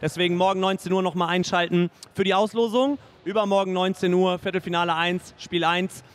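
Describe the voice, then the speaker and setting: A man's voice: sits high, little pitch movement, brisk. A middle-aged man hosting a sports interview in an upbeat, chatty way, speaking into a handheld mic. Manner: upbeat, chatty, says "nice" and "ähm" a lot. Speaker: host, interviewer. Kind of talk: hosted interview and announcements. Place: indoor studio in front of a sponsor wall.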